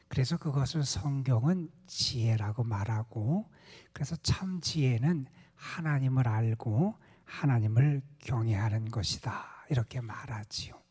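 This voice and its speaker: A male pastor preaching a dawn prayer sermon in a soft, often half-whispered delivery, recorded in a church sanctuary. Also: medium pitch, breathy edge. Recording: long church reverb.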